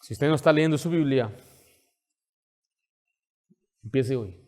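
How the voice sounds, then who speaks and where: A man's voice: medium pitch, slow pace. A male pastor preaching a sermon in a church, acting out scenes with sound effects, then leading an altar call and prayer. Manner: animated storytelling, acts out scenes with sound effects. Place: church sanctuary.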